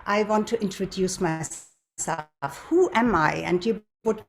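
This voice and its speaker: A woman in her seventies from Germany, a native German speaker with a German accent, hosts a show, introducing herself and telling her story in a deliberate manner with rhetorical questions. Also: medium pitch. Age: 70s. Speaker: show host, lifestyle and relationship coach. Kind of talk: presenter's introduction and personal storytelling to viewers.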